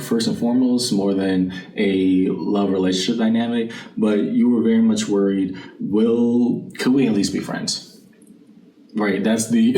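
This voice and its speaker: A man's voice: on the low side, warm tone. A man giving a casual tarot reading, talking straight to the listener and thinking aloud in an informal way as the host. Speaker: tarot card reader and channel host. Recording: roomy, distant mic, faint background noise.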